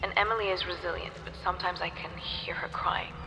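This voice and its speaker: Woman as creaky, tender, wistful governess. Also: lowish voice, steady tone, brisk, whispered, lightly acted. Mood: fond, wistful. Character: tender, wistful governess caring for an orphaned girl. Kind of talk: video game monologue. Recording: long reverb, faint background noise.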